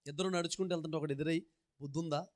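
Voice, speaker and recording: A male pastor with a high, animated, brisk voice preaches a sermon full of folksy stories. He leads the congregation in repeating verses through rhythmic, repeated phrases.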